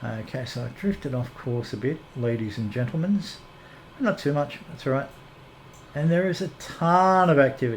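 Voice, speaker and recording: A man with a fairly high pitch and a somewhat breathy voice talks at a moderate pace with lively intonation. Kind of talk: casual flight-sim commentary. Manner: rambling, chatty.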